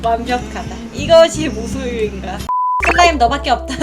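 A woman's voice: on the high side, normal speed. A woman streamer chatting casually over her gameplay, joking at her own expense and laughing often. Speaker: game streamer. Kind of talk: casual let's-play commentary. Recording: game music playing behind.

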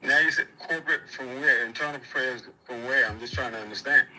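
A man on a telephone, answering in a measured, polite but guarded and questioning way. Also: medium pitch. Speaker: prank call recipient, market manager. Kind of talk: guarded phone conversation. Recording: noisy phone call over speaker.

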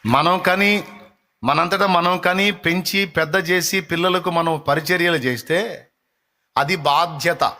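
Guy preaching hard, high voice, keeps repeating himself, rebuking stuff. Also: unhurried, sharp tone, some chatter behind. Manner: impassioned, repeats phrases, rebukes. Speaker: pastor. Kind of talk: fervent live sermon.

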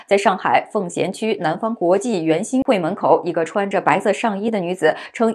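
A woman narrating a news segment from a script, her pitch sitting in the middle of the usual range. She reads briskly and evenly, moving from one point to the next without pause.

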